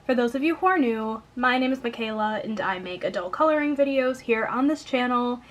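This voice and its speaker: A young woman with a Midwestern American accent talks to her desk camera in a light, slightly high voice. She chats along upbeat and unscripted, sprinkling in "um" and "like" as she goes. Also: fairly bright tone. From Wisconsin, United States. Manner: chatty and upbeat, lots of "um" and "like". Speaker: coloring YouTuber. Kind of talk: casual chat to camera.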